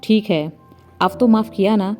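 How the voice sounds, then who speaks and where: A woman's voice: medium pitch, unhurried, a little mellow, faint music behind, close to an everyday voice. A woman voicing a proud, quarrelsome young man in a storybook reading, with a stubborn, sulky manner. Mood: pleading. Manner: pleading then grumbling, stubborn. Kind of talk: storybook narration.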